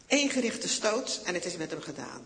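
A man's voice: high voice, big pitch swings, moderate pace, gravelly, a bit bright, in a large hall, heavily acted. A man voicing the soldier Abisai, urgent and eager.

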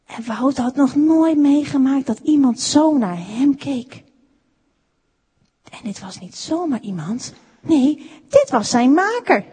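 A woman reading a children's story aloud, expressive and unhurried. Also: sits high. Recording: echoey room with long reverb.

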